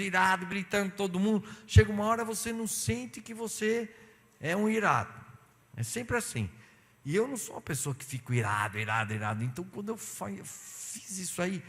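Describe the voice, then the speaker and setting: A man, a pastor, giving an animated sermon and telling stories, acting out dialogue. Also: high voice. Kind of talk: sermon with personal anecdotes. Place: church sanctuary. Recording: long church hall reverb.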